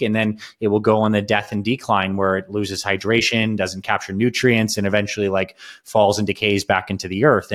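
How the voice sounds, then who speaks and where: An American man hosting a conversational interview, thinking aloud in a thoughtful, halting way. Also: lowish voice, a bit bright. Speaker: podcast host.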